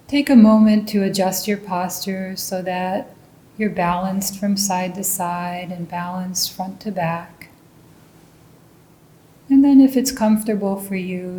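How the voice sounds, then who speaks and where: A woman leading a guided mindfulness meditation, speaking calmly and gently. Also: mid-range voice, reverberant. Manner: slow, calm and gentle instruction.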